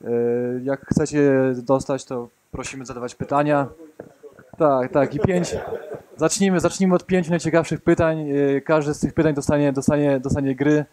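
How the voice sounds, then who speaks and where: A man's voice: fairly high pitch, flat delivery, normal speed, warm tone, a little hiss or hum. A man in his thirties co-presenting at a tech meetup into a handheld mic in a conference room, joking and stumbling over restarts. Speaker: conference co-speaker. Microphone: handheld microphone.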